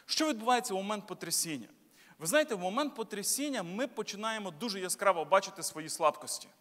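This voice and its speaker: A bishop preaching a sermon in a church, talking to the congregation in a conversational, lightly humorous way with many rhetorical questions. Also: male voice, high-pitched, animated, fast talker, fairly bright tone. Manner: lightly humorous, tells jokes. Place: church sanctuary. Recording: long church reverb.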